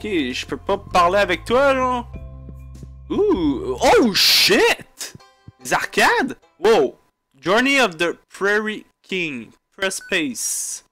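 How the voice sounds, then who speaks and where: A man with a Quebec French accent chats through a video game, excitable and profane, switching freely into English slang. His voice sits high for a man. Faint music plays in the background. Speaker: let's play gamer. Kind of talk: casual gameplay commentary.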